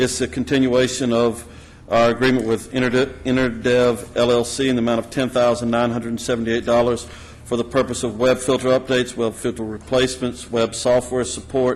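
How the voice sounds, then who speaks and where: Medium-pitched male speech in a flat monotone at a fairly quick pace, with noticeable background noise. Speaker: county staff presenting agenda items. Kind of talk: public meeting presentation. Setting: county board meeting. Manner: fast.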